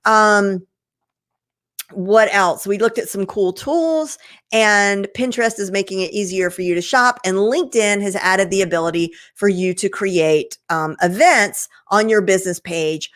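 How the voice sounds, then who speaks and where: A woman's voice: medium pitch, fairly bright tone. Chatty, enthusiastic woman hosting online. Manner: conversational, rambling, enthusiastic. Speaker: host of an online marketing show. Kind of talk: casual chat recap to a live online audience.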